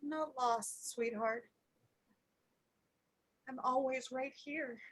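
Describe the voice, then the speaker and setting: A woman playing a dying, motherly figure in a script read, tender and resolute, speaking deliberately and insistently. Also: high voice, fairly even intonation. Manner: slow, deliberate, gently insistent. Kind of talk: table read acting of a horror film script.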